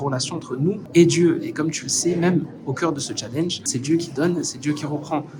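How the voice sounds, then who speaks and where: A soft-spoken man talks at a moderate pace with a fairly high pitch. Music plays in the background, and room echo is audible. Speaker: vlogger, online entrepreneur. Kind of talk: video diary vlog. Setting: inside a mosque at night. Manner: soft-spoken, quiet.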